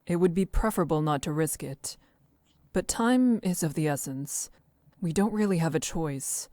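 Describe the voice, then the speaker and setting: A woman playing a serious, dutiful young swordswoman in a dark fantasy visual novel, speaking formally and with reserve. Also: deep voice, lively intonation, moderate pace, no room sound. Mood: grave resolve.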